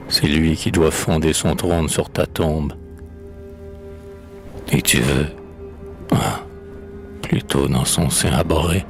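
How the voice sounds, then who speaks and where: A man's voice: rumbling low, creaky, full character voice. A man reading a dramatic poem, voicing a proud, despairing old king in a grave, declamatory recitation. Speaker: poetry reader.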